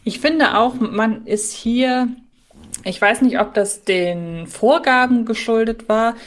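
A woman's voice: fairly high pitch, slow. A woman co-hosting a podcast in casual discussion, reflective and thinking aloud. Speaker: podcast co-host. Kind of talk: casual discussion of an audio drama series.

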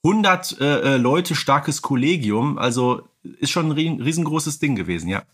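A man from North Rhine-Westphalia speaks at a medium pitch. He sounds like a podcast co-host in casual conversation. His way of talking is musing and explanatory. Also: lively intonation, moderate pace, fairly bright tone, husky. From North Rhine-Westphalia, Germany.

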